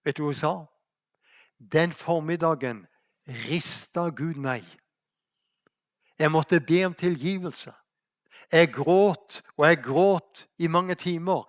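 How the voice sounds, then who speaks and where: Male preacher from Norway, higher voice, rhetorical questions, storytelling sermon. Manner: asks the audience rhetorical questions; storytelling, slows for emphasis. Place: mission hall.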